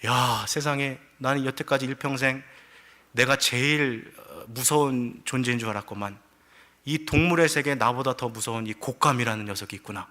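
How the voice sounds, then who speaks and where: A man's voice: medium pitch, moderate pace, bright, forceful tone, natural voice. A man voicing an old male tiger in a folktale told during a sermon, grave and solemn. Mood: astonished.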